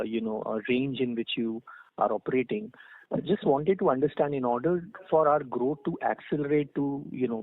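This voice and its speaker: A man with an Indian accent, an equity analyst, asking unscripted questions on an earnings call. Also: medium pitch. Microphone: telephone. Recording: tinny phone-line call.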